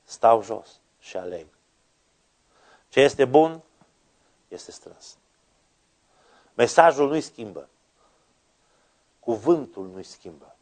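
A man preaching a fervent sermon, dropping to low quiet words and then climbing to high, ringing exclamations. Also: lively intonation, pauses often. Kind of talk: Pentecostal sermon.

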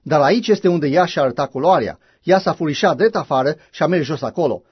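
A man preaches with fervent, emphatic conviction, his somewhat high voice husky and breathy. The recording is dull and lo-fi, with a dry, close sound. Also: lively intonation, no echo. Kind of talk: sermon.

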